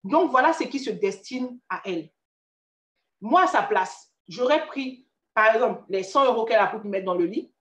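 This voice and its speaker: A woman's voice: a little high, expressive, normal speed, fairly bright tone. Ivorian woman coaching, echoey room. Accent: Ivorian French. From Ivory Coast. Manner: chatty, addresses listener as tu, frequent restarts. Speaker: career coach. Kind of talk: casual motivational talk.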